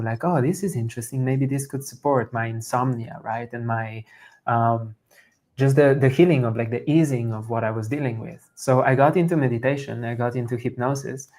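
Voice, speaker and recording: Guest, male, 30s, from Slovenia; earnest and steady, with little pitch movement. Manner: steady, earnest, even-toned. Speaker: guest, somatic coach. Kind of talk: storytelling in an interview.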